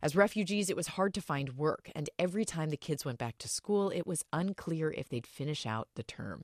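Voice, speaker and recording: With a quiet background, a woman speaks at a moderate pace in a very deep, low pitch that makes very wide swings. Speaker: radio reporter. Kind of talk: scripted narration.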